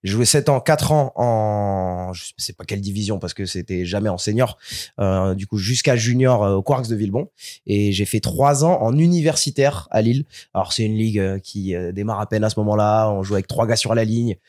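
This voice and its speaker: A man's voice: fairly low pitch, brisk, no echo, studio quality. A young man from France, a guest in a casual interview, telling stories with animation and frequent restarts. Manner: animated storyteller, repeats words as he restarts.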